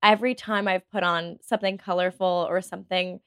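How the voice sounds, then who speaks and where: A woman's voice: fairly low pitch, steady tone, fairly quick, a bit bright, clear, resonant tone. A woman hosting a podcast, talking with gushing enthusiasm and lots of "like" while getting over a cold. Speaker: podcast host. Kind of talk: upbeat podcast intro and chat.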